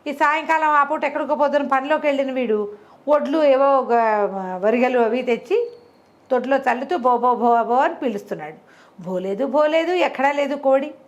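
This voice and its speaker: A woman telling a folk tale in a colloquial, conversational way, with animated asides. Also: sits high, normal speed, lo-fi sound. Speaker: storyteller. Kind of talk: conversational oral storytelling of a folk moral tale.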